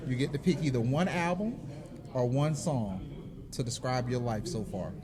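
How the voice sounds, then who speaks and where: With a Southern US accent, a man talks at a moderate pace and medium pitch with lively intonation, and audible room echo surrounds him. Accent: Southern US, shows when relaxed. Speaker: podcast interviewer. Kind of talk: casual chat.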